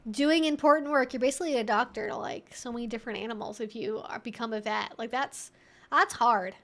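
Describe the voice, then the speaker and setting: A woman's voice: on the high side, a little fast. A woman hosting a livestream, chattily and informally reading and answering viewer comments.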